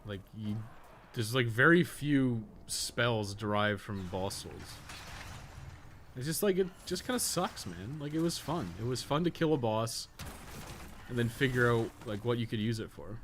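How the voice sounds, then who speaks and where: A man's voice: medium pitch, lively intonation, a little slow, fairly bright tone. A man giving casual, rambling commentary on a gaming livestream, with slangy speech and frequent swearing. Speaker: livestreamer, podcast co-host. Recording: noticeable background noise.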